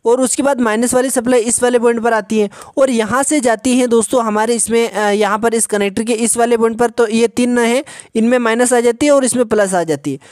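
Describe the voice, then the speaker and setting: A man patiently explaining a phone repair step by step in a tutorial voice-over, often pausing to check in with the viewer. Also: extremely high pitch, steady tone, darkish tone, dry recording, clean studio sound. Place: voice-over over a drawn circuit diagram.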